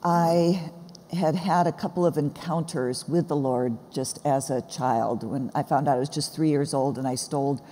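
A woman in her sixties, born in Sweden and raised in the US, with Swedish as her first language, talking in a seated interview on a church stage, warm and often laughing. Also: low-pitched, normal speed. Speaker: guest, seminary professor. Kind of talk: conversational interview. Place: church stage, large hall. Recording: reverberant hall, faint noise.

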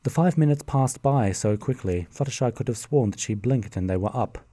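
A man narrating a fan radio drama in a plain, steady storybook manner. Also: mid-range voice, fairly quick, no room sound.

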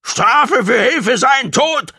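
Shrill, hysterical fat alien master. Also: male voice, lively intonation, drawn-out words, gravelly, bright, forceful tone, slightly rough, full character voice. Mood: furious, demanding. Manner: howling and wailing in broken, clipped grammar. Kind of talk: audiobook character voice.

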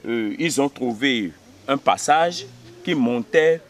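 A man in his fifties from Benin, a history teacher, telling village history in an outdoor interview, pausing on fillers and often checking he is understood. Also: mid-range voice, expressive. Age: 50s. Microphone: camera at close range.

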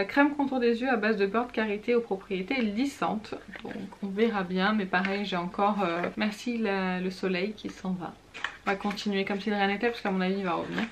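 A woman's voice: medium pitch, a little hiss or hum. A woman vlogger in a casual product haul, chatting with hesitant fillers and reading product labels aloud, indoors at home. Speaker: beauty vlogger.

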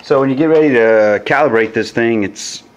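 A man's voice: mid-range voice, moderate pace. A man casually demonstrating a vacuum gauge at a workshop table, rambling a bit and correcting himself as he goes. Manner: relaxed, rambling, with fillers and self-corrections. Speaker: HVAC technician reviewing a gauge. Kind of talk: casual hands-on product demo.

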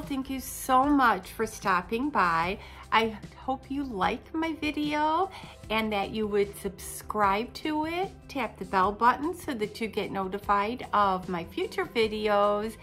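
A woman in her sixties sits in her living room and talks to the camera while casually unboxing items. Her medium-pitched voice is a bit nasal from a cold, and she rambles chattily and unhurriedly with plenty of ums. Soft music plays faintly behind her.

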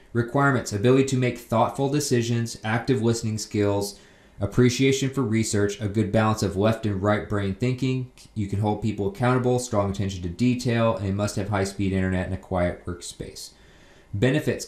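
A man's voice: fairly low pitch, darkish tone, reverberant. A man hosting a job tips video, reading out listings and explaining them plainly in a casual narrating style.

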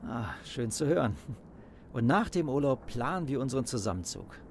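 An actor playing a joking fiancé who works as a lawyer, with a gravelly voice. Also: male voice, mid-range voice, very animated, a little hiss or hum. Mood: playful. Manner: joking, brisk.

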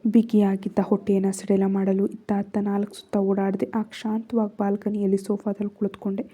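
Dark, husky-voiced woman telling a story. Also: medium pitch, little pitch movement, fairly quick. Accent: Kannada. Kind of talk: first-person story narration.

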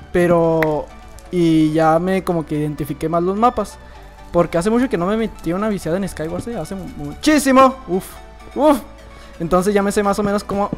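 A young man talks through a match in a light, high voice. He teases his opponents in a playful, joking way, with faint music playing underneath. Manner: playful, teasing opponents, bursts of laughter. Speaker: gaming youtuber. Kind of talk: casual gameplay commentary.

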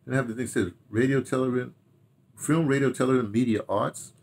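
A gravelly, slightly mellow mid-range voice comes from a man in his 60s or 70s who talks fast, with a bit of hiss or hum in the background. He's a radio drama director and producer reminiscing casually to camera at home in a furnished room, rambling, repeating phrases and speaking half to himself.

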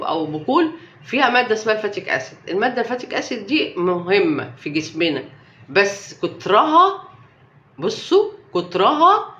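A woman's voice: mid-range voice, a bit bright, reverberant, highs cut off. A young Egyptian woman vlogging live about health, speaking emphatically and defiantly and piling up rhetorical questions. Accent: Egyptian Arabic. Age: young adult. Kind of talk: casual live-stream talk.

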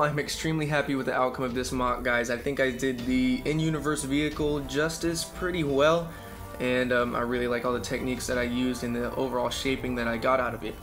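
A young man giving a casual, unscripted showcase as a hobby presenter, talking in a hesitant, loosely worded way. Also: medium pitch. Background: background music.

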